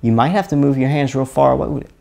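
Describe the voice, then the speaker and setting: A man's voice: mid-range voice, rapid-fire, gravelly, a little mellow. A man with a Louisiana accent from around Chalmette, hosting a live stream and talking casually through a hands-on exercise, rambling and often repeating himself. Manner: rambling, fumbling, repeats words. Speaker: live stream host teaching energy healing.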